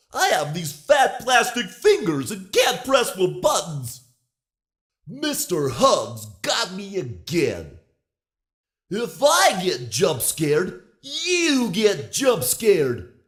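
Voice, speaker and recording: A man's voice: high voice, a bit bright, exaggerated voice. A man voicing a whiny, childish plastic toy character in a video game, petulant and complaining.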